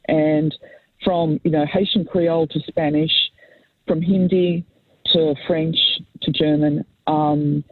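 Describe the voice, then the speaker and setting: Husky-voiced woman on a tinny line. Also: deep voice, no echo. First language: Italian. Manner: eager, with frequent um and uh fillers. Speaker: company CEO panelist. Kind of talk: webinar panel discussion.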